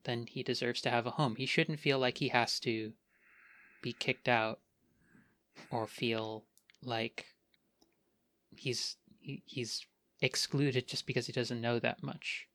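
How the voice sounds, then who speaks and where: A man's voice: medium pitch, fairly even intonation, slow pace, pauses often, a bit bright, dry recording. A man playing a tabletop role-playing game, thinking aloud about his character in a rambling way with many fillers. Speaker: player.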